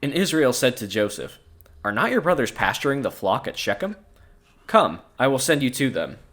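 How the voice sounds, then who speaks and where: A man's voice: medium pitch, sing-song, normal speed, a bit bright. A man co-hosting a podcast, reading scripture aloud and breaking off into crude jokes and frequent laughter. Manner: laughs often, crude and joking. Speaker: podcast co-host.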